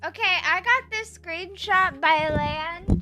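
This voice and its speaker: A woman's voice: very high voice, takes it slowly. A woman streamer chatting casually and playfully, rambling as she reads out her chat and teases viewers. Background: soft background music.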